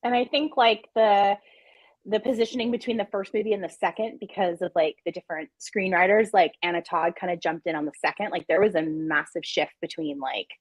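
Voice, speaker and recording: A woman talks casually in a live book discussion as one of the hosts. Her voice is a little low and husky, and it sounds close and dry, with very little room in it. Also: fairly even intonation, a little fast, no echo, low-quality recording. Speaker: book club live show host.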